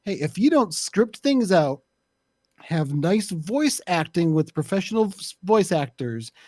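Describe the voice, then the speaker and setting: A man in a casual panel debate, stating opinions in deliberate, wordy phrases. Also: high voice, big pitch swings, darkish tone, no room sound, studio quality. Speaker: panelist on a podcast discussion show.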